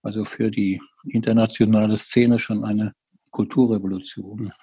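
An older man, a psychiatry professor, answering an interview in a measured way with some hesitant fillers. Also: lowish voice, little pitch movement, warm tone, breathy edge, no room sound.

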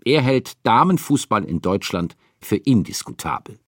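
A man's voice: lowish voice, very animated, moderate pace, no echo, clean studio sound. A man reading scripted documentary narration.

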